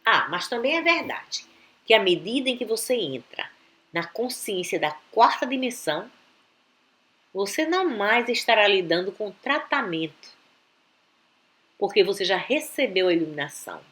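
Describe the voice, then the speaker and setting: A woman giving a calm, deliberate reading of a spiritual text, with long pauses between phrases. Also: medium pitch. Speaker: reader of spiritual teachings.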